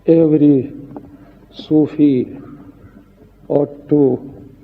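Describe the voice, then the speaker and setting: Very slow, solemn man in a reverberant hall. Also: fairly high pitch, steady tone, vocal fry. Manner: solemn, halting, short phrases with long pauses. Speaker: Sufi spiritual teacher giving an address. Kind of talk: devotional speech. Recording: muffled 1950s archive recording, reverberant hall, phone-like.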